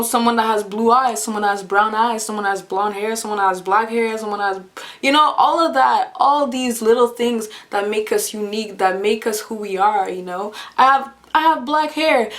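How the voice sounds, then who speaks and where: A young woman talks straight to her camera in a relaxed vlog. She is earnest and chatty, with a voice of medium pitch, and she laughs lightly and circles back over her own phrases as she thinks aloud. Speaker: vlogger. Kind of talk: casual talk to camera.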